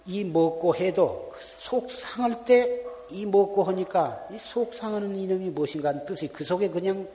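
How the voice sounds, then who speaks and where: A man's voice: sits high, darkish tone. A man, a Buddhist monk giving an earnest Dharma talk full of repeated rhetorical questions, recorded in a temple hall. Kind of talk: sermon.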